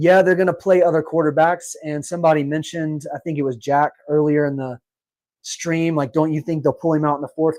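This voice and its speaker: Using a normal speaking voice, a man with a fairly high pitch talks at a fairly quick pace and keeps a fairly even intonation. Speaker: sports streamer. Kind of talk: live watch-along commentary. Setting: live stream on camera.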